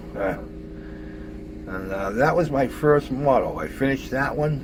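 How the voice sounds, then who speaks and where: A man with an American accent, long and frequent pauses, and music in the background. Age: 50s. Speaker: model-building hobbyist vlogger. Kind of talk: casual vlog monologue. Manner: halting, many fillers and restarts.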